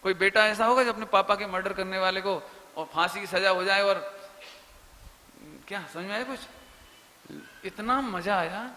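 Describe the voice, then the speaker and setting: High-voiced man preaching in a hall. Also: pushed and bright, a little hiss or hum. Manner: explains patiently, drawing out chanted syllables. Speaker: Jain preacher. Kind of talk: religious Q&A discourse.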